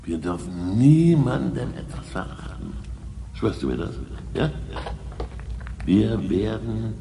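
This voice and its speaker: An actor playing a grave, secretive explorer in an audio drama, with solemn, ominous, drawn-out delivery. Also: male voice, animated, warm tone, heavily acted. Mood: solemn, conspiratorial. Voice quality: very deep, creaky. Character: grave, secretive male explorer guarding a discovery. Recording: echoey cavernous reverb, faint noise.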